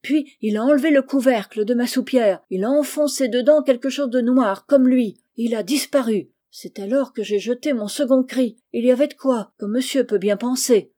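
A woman's voice: medium pitch, moderate pace, few pauses, a little mellow, lightly acted. A woman playing a quavering sly servant girl. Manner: quavering, breathless, mock-innocent. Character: cunning young female servant feigning fright.

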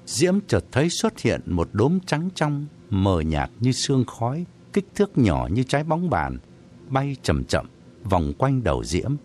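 Lively expressive male storyteller. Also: medium pitch, measured pace, faint music behind. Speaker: narrator. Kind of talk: audiobook narration.

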